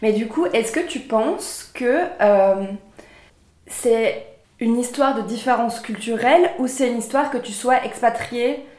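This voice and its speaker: A woman's voice: on the high side, unhurried. Chatty woman hosting, echoey room. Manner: chatty, relaxed, asks long rambling questions. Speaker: podcast host, interviewer. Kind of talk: casual interview. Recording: roomy echo.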